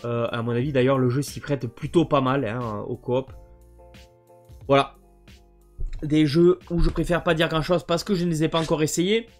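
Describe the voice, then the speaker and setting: A man's voice: on the high side, steady tone, normal speed, faint music behind. A man casually presenting his video game collection, hesitant and full of fillers. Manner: hesitant, many fillers and restarts.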